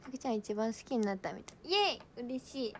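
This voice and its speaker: A woman's voice: on the high side, lively intonation, fast talker, slight background noise. A young woman chatting casually on a livestream, bubbly and giggly, reading out viewer comments. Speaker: idol livestream host.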